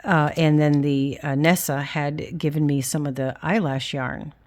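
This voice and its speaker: Low-voiced woman with a whistling s. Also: fairly even intonation, measured pace. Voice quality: whistling s through the teeth. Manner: candid, self-deprecating. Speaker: craft vlogger. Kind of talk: casual rambling show-and-tell.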